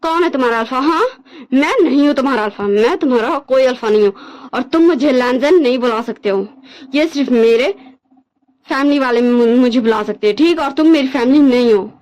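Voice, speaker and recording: Woman playing a proud young husband, curt, dismissive, lowered voice. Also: animated, a little slow, long pauses, darkish tone. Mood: cold. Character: cold, proud young male alpha husband.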